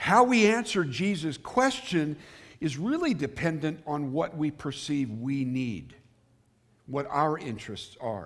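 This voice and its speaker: Fairly high pitch from a man, very wide pitch swings, a fairly slow pace, and audible room echo. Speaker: pastor. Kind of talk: sermon.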